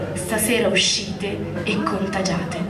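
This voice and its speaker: There is loud background noise while a woman talks. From Saronno, Lombardy, Italy. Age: young. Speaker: slam poet. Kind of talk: poetry slam performance. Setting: live event with audience. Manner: impassioned, rhythmic. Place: hall. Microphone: handheld.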